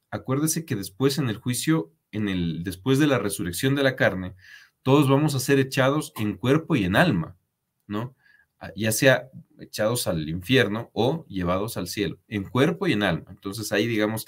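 A man giving a religious commentary on a letter. He is emphatic and repetitive, addresses his viewers directly and asks them to comment. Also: on the low side. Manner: emphatic repetition, frequent restarts. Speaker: preacher.

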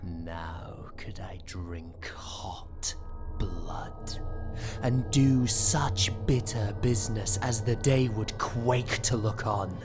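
A male actor playing a brooding, vengeful man in a hushed classical tragedy monologue. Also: fairly low pitch, extremely slow, music in the background. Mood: dark, vengeful.

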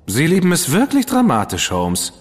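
An actor playing an ironic, theatrical dandy in a radio drama. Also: male voice, a little high, wildly swooping pitch, normal speed. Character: witty, theatrical male dandy, ironic and fastidious. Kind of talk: German radio drama acting. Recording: long reverb with music behind.

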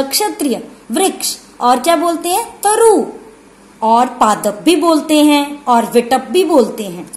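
A woman teaching young children, who explains slowly, asks questions and repeats and stresses key words. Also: high-pitched, darkish tone. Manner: calls the pupils 'beta' and asks questions before answering them. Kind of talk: online lesson for young children. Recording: echoey room.

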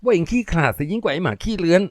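A man voicing a sharp-tongued young woman who speaks in a nasal, scornful way. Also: on the high side, sing-song, rapid-fire, no echo, voice pushed up.

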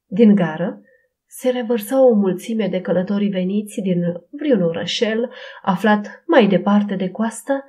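A woman reads a Christian audiobook aloud in a steady, expressive narrating voice. Her pitch sits in the middle range for a woman. The delivery is scripted and evenly paced.

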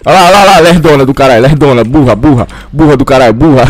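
A man with a sore throat, swearing and yelling through casual game commentary. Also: medium pitch, rapid-fire, dry recording. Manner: swears a lot, yells and shrieks when caught. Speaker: gamer. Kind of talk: casual let's-play commentary.

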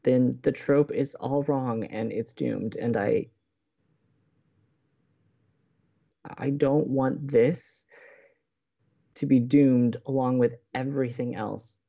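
A woman playing an anxious, stubborn young college radio host in an audio drama, with a flustered, halting, emphatic way of talking. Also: extremely low pitch, fairly even intonation, gravelly, breathy edge, highs cut off, exaggerated voice. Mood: anguished. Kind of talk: naturalistic audio drama acting.

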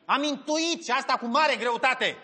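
A man's voice: very high voice, long reverb tail, very noisy. A man playing a speech therapist in a comedy sketch, exasperated and over-articulating every sound.

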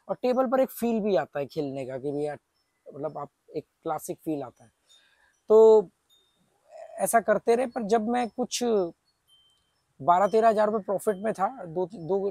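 A man's voice: high-pitched, warm tone, dry recording. Chatty man with a sore throat. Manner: chatty, explains step by step with many fillers. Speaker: travel vlogger. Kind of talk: casual vlog talk to camera. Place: outdoor garden patio. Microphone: small clip-on mic on shirt.

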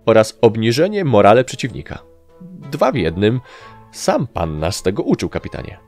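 A man's voice: lowish voice, wildly swooping pitch, normal speed, faint music behind, voice pushed up. A man voicing a small, cheeky male gnome soldier who reports eagerly to his captain. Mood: quick excuses. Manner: bright, eager military reporting.

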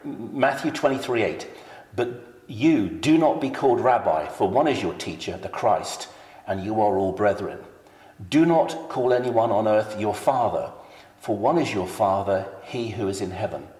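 A man on a phone call who questions a church and recites scripture at length, earnest and persistent. His voice sits low. The recording carries a roomy, long-tailed reverb. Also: animated, normal speed, darkish tone.

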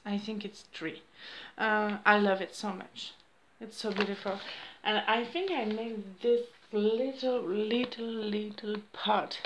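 A woman in her thirties with a French accent, chatting to camera at home in halting English, losing her voice. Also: fairly high pitch, fairly bright tone, roomy sound. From France. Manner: halting non-native English with frequent restarts and apologies. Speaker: crafts vlogger. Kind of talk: casual chat to camera. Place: small room indoors at home. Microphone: camera on a desk close by.

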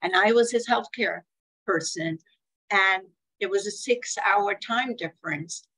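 A woman's voice: medium pitch, unhurried, fairly bright tone, husky, poor audio. An older woman with a Swiss accent, speaking earnestly on a video call and telling family stories about care planning. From Switzerland. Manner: earnest, storytelling, acts out quoted family voices. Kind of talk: webinar talk with anecdotes. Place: home room, indoors.

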